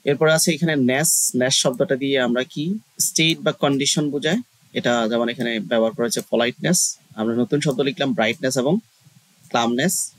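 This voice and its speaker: A man's voice: mid-range voice, moderate pace, dry recording, poor audio. A man giving a casual English lesson, explaining step by step with frequent hesitations. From Bangladesh. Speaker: online English tutor.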